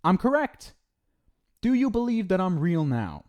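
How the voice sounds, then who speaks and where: A man's voice: high voice, very animated, unhurried, a little mellow. A young man in an ASMR roleplay, scolding the listener in a teasing but caring way. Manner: scolding yet affectionate, playful teasing.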